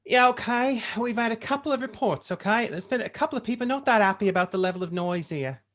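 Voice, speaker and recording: A woman's voice: fairly high pitch, lively intonation, fast, natural voice. A woman playing a friendly, literal-minded policewoman in a comedy table read, chatty and matter-of-fact. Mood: mild scolding. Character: friendly, concerned, literal-minded policewoman gently scolding partygoers.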